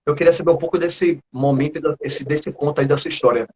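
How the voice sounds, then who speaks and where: Laughing a lot and keeping things casual, a Northeastern Brazilian-accented teacher interviews a student via video call. He's a fast talker with a fairly high pitch, and the sound quality is dull.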